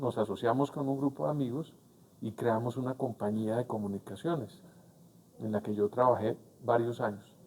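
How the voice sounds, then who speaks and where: The speaker is a man with a dark, mellow tone. He moves along at a moderate pace. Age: 60s. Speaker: political analyst. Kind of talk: interview.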